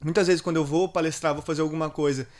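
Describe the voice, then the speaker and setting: A man's voice: a little high, fairly even intonation, darkish tone. A man with a Brazilian Portuguese accent hosting a podcast, chatting casually and sharing anecdotes. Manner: quick, chatty, shares anecdotes. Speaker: podcast host.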